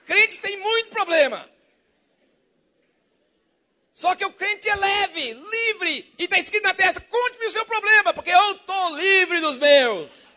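A man preaching a sermon with a Brazilian Portuguese accent. He is fervent and jokey, questions his congregation, and swings from loud shouts to soft low lines.

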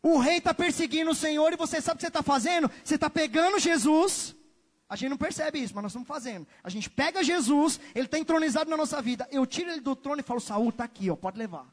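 A man's voice: very high-pitched, fast. A man preaching a sermon, emphatic and exhorting his congregation. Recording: long hall reverb.

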